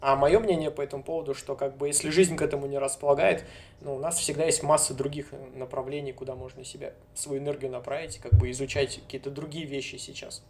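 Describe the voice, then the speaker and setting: A young man from Novosibirsk talks as a guest in an easygoing chat. His voice stays flat and level in pitch, with loose hedging fillers and small chuckles. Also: fast talker, a little hiss or hum. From Novosibirsk, Siberia, Russia. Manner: relaxed, hedging with frequent fillers, chuckles often. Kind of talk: casual conversation.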